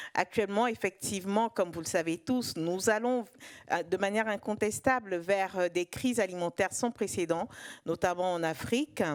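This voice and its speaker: A woman at medium pitch with a French accent, at a very fast pace, on a dry, close recording with no echo, very clean and with a silent background. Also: ordinary pitch variation. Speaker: audience member, think tank president. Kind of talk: audience question.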